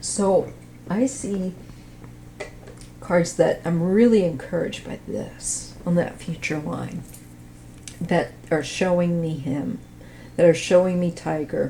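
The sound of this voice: Using a put-on character voice, a woman rasps at a fairly low pitch and a fairly slow pace, with long, frequent pauses over light background noise.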